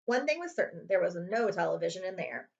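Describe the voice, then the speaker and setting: Lady reading a kids chapter book out loud, really lively up and down voice, bit muffled lo-fi. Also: lowish voice, brisk, vocal fry. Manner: expressive storytelling with character voices. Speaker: librarian reading aloud. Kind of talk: children's chapter book read-aloud.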